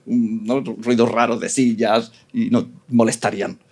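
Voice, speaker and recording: Informal male moderator, medium-pitched voice. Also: little pitch movement, measured pace, darkish tone. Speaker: panel moderator. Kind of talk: casual, lively debate moderation.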